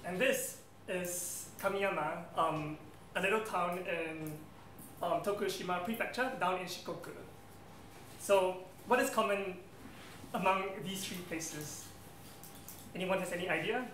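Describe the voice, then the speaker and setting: A man's voice: sits high, a little slow, fairly bright tone. A man from Singapore in his thirties, giving a presentation to an audience in an event room with many ums and friendly asides. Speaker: guest speaker. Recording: roomy hall sound, faint noise.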